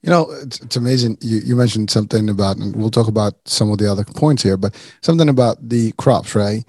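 A man's voice: on the low side, a little fast, darkish tone, husky, dry recording, clean studio sound. A man from Morocco hosting an interview, talking in a casual, rambling way with many restarts and asides. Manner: rambling, many restarts and "you know", chuckles often. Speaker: podcast host.

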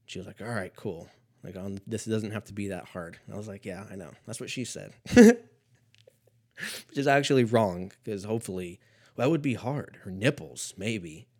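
A man in his thirties hosting a casual solo comedy podcast, rambling and swearing, often dropping to a mumble before jumping to loud quips. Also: on the low side, lively intonation, normal speed. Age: 30s. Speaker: podcast host.

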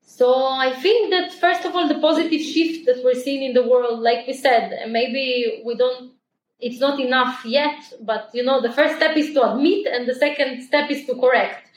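Woman guest, high voice, talks fast n eager with lots of "like", echoey room. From Ukraine, raised in Israel. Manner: quick, eager talk full of "like" fillers. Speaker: guest, company founder. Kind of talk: podcast interview. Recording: roomy echo.

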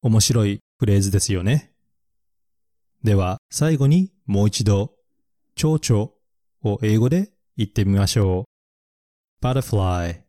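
A man teaching English vocabulary from a picture book in a slow, deliberate podcast lesson. His voice is low and mellow and he pauses to repeat each word. The sound is close and dry. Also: lively intonation, no echo. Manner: slow and careful, repeating English words for learners.

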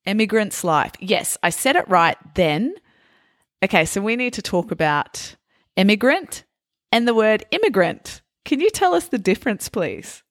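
A woman hosting a podcast interview, chatty and quick to laugh, asking many questions. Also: medium pitch, sing-song, dry recording, studio quality. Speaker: podcast host. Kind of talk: casual interview.

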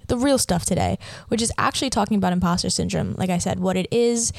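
A woman's voice: medium pitch, fast talker, vocal fry, no room sound. A young adult woman hosting a casual solo podcast, rambling and chatty with lots of filler words and a slight lisp. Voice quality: slight lisp from a watering mouth. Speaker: podcast host.

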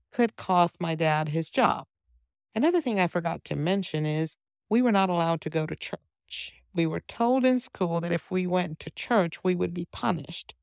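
A woman in her fifties speaks with a Romanian accent, her voice low-set with a gravelly fry. She tells her story earnestly and steadily, with small restarts, as an interview guest. The sound is dry and close. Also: darkish tone, dry recording. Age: 50s. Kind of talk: conversational interview.

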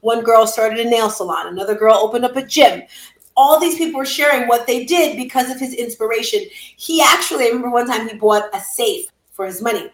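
A middle-aged woman, a bereaved mother, tells her story in conversation, earnest and heartfelt with sudden lively outbursts. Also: fairly high pitch, roomy sound, low-quality recording.

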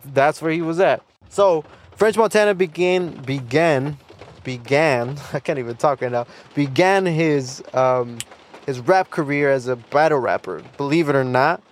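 Young man, casual podcast host, rambling, lots of fillers and restarts, mid-pitched voice. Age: young adult. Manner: loose and rambling, many fillers and restarts, laughs often. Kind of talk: casual solo podcast monologue.

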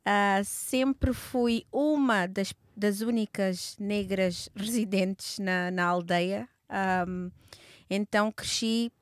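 A woman in her thirties from Portugal talks as an interview guest, her voice sitting at a middle pitch. She pauses and restarts often, filling gaps with soft hesitations. The sound is dry and close, with no room echo. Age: 30s. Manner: hesitant, with many fillers and restarts. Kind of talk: conversational interview.

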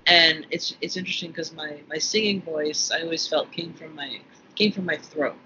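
This co-host's voice is fairly high and steady, at normal speed. His casual podcast talk wanders, restarts frequently, and breaks easily into laughter, captured on dull, lo-fi audio with faint background room noise.

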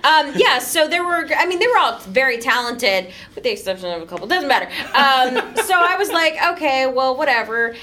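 High-voiced and pushed, this thirty-something voice actor talks fairly quickly with big swings in pitch, a bright tone and hardly a pause. She's an interview guest in a casual chat, laughing a lot and mocking herself sarcastically.

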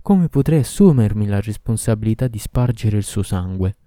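A man's voice: on the low side, moderate pace, no room sound, studio quality, lightly acted. A man voicing a tortured young woman captive who pleads and denies in a raised voice in a storybook reading. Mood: pleading. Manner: pleading, steady denials.

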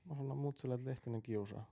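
A man's voice: medium pitch, fairly even intonation, mellow. A man co-hosting a casual podcast, telling rambling stories full of swearing and laughing at his own jokes. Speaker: podcast co-host. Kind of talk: casual crude banter.

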